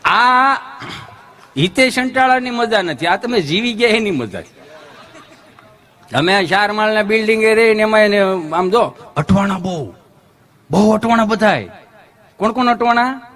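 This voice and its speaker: A man's voice: high voice, expressive, a little slow, long pauses, a bit bright. A man doing folksy stand-up storytelling in a Kathiawadi Gujarati accent, sing-song and full of dialect slang. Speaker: stand-up comedian.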